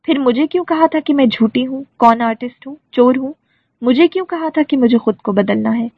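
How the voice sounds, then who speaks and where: A woman's voice: a little high, breathy edge, no echo. A woman reading a furious, defiant young woman. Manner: furious, accusing, tearful. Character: defiant young woman confronting her leader. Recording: dry tinny phone-like recording.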